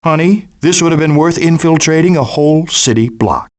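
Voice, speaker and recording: A man's voice: fairly high pitch, normal speed, darkish tone, lightly acted. A man voicing a melodramatic, doting father possum in a cartoon video game, with a pompous, theatrical, declamatory manner. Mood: anxious, mournful. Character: melodramatic, hammy male possum, doting middle-aged father. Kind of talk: animated video game voice acting.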